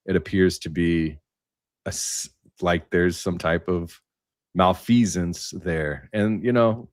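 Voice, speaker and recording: A man speaking as a panelist in a livestream discussion, rambling and tentative as he thinks out loud. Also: low voice, steady tone, dry recording, clean studio sound. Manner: halting, tentative, thinking aloud.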